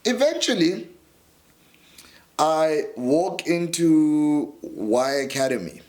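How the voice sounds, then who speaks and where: A man with a South African accent, a radio host and producer, telling stories in a casual interview at his house, laid-back and animated. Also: mid-range voice, normal speed. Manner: animated storyteller, acts out quotes, laid-back.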